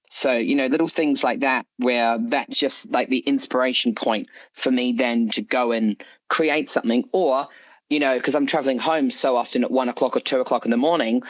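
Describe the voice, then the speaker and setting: A man with a mid-pitched voice speaks as a guest author in a casual interview. He thinks aloud and adds frequent asides. The recording is a little dull and lo-fi. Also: fairly bright tone.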